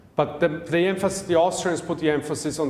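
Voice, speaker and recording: A fairly quick pace in a German accent, over noticeable background noise. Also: man. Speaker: author and economist. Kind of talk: interview. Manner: halting, many fillers.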